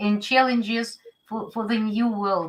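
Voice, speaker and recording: Her pitch is fairly high. The woman speaks with a Ukrainian accent. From Ukraine, Donetsk region (east). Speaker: professor. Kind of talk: interview conversation. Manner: halting, many fillers.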